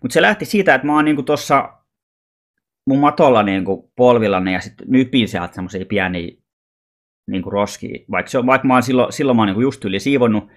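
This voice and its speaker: A man telling a personal story in a loose, rambling vlog monologue, informal and often swearing. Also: mid-range voice. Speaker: vlogger.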